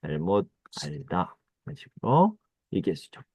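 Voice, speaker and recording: A man teaching Korean grammar in an online lesson, repeating phrases slowly and acting out little dialogues in a higher, excited voice. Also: husky, no room sound.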